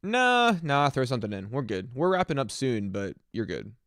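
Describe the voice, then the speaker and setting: A man's voice: mid-range voice, very animated, normal speed, vocal fry, fairly bright tone, dry recording, clean studio sound. A man in his twenties chatting casually on a music livestream, rambling and reflective with many fillers. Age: 20s. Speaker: music streamer.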